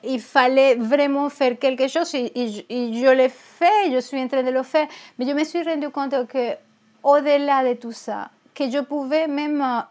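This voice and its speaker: A woman's voice: sits high, fairly even intonation, moderate pace, a little mellow. A woman from Venezuela with a Venezuelan Spanish accent, a therapist speaking earnestly in an interview, often restarting her words. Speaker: therapist and guest. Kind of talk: candid interview talk.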